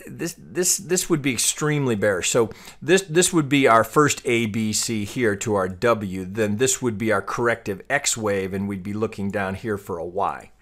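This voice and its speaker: Low-voiced man, halting chart commentary. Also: a bit bright. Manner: halting, thinking aloud, repeats words. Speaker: trading analyst and host. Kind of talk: off-the-cuff chart tutorial commentary.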